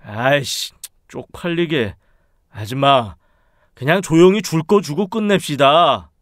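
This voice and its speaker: A man voicing a menacing young thug who bullies and shouts threats in an audiobook story. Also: fairly high pitch, measured pace, dry recording, clean studio sound, natural voice. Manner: sneering, bullying, shouts threats.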